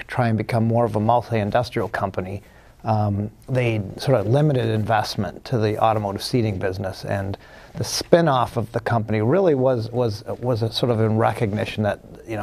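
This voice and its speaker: A man's voice: lowish voice, creaky, darkish tone. A man being interviewed as a company executive, answering at length with many fillers and restarts.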